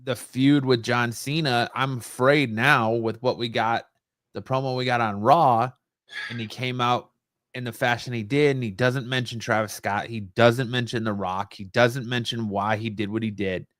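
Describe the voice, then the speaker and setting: A man's voice: medium pitch, steady tone, moderate pace, a bit bright, no room sound, clean studio sound. A man co-hosting a podcast in a casual sports discussion. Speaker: wrestling podcast co-host.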